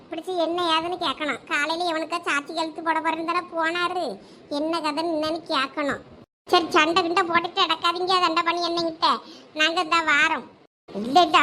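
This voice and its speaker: A woman's voice: extremely high pitch, bright, forceful tone, a little hiss or hum. A woman voicing a protective, outspoken middle-aged village mother in a cartoon, with a Thoothukudi Tamil accent and a scolding manner. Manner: scolding, quick retorts. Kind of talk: cartoon voice acting.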